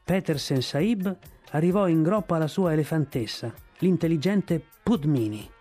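A man's voice: medium pitch, warm tone. Man reading a novel aloud. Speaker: reader.

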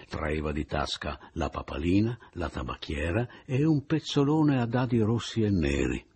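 A man reading a novel aloud as an audiobook, lively and expressive, giving the characters' lines their own turns. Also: low voice, husky. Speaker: narrator.

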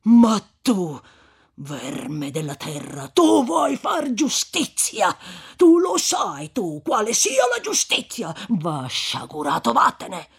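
A severe, fervent old friar from a classic novel read aloud, played by a woman reader, speaking low with a husky, breathy edge. He draws his words out slowly and heavily, scolding hard one moment and dropping to a grave hush the next. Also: heavily acted. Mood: stern. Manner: stern scolding, rising to cries, then slow and hushed.

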